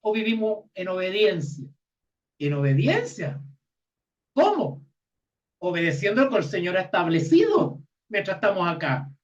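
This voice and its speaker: A Chilean man teaches a Bible lesson, his voice rising and falling a lot. He reads scripture slowly and stops to ask the class if they follow. The sound is distant and muffled. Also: high-pitched, wildly swooping pitch. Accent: Chilean Spanish. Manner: reads verses slowly, adds asides and checking questions. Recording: distant mic, dull lo-fi sound.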